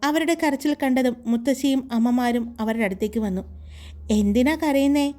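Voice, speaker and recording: A woman reading a serialized romance story aloud in a calm, even storytelling voice. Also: on the high side, brisk.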